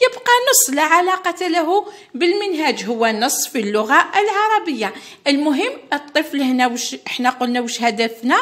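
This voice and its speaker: With an Algerian accent, a woman speaks at a moderate pace. Her voice is high in pitch and swings very widely. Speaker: primary school teacher. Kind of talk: tutorial. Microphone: phone near.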